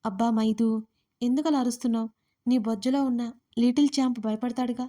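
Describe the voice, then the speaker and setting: A woman voicing a shy, nervous young bride in an audio story, speaking softly. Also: a little high, fairly even intonation, brisk, natural voice. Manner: soft, shy.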